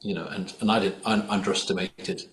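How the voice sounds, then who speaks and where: A man's voice: low voice, level tone, fairly quick. A man, a singer guest on a podcast, talking easily and thoughtfully in a casual conversation. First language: not Hindi or Urdu. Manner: reflective, easygoing, uses sports comparisons. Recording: echoey room with faint ambient noise.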